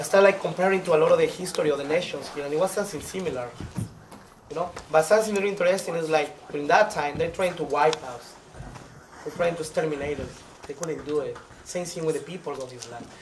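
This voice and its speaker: Heard over noticeable background noise, a man speaks at a high pitch with ordinary pitch variation and big swings in loudness. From South America. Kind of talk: rally speech. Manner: halting, with many fillers.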